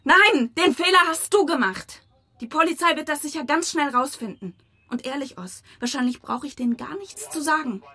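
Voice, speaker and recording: An actress playing an angry, grieving environmental activist with an accusing, sarcastic manner in a radio crime drama. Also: female voice, high voice, bright, forceful tone, full character voice. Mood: angry, bitter.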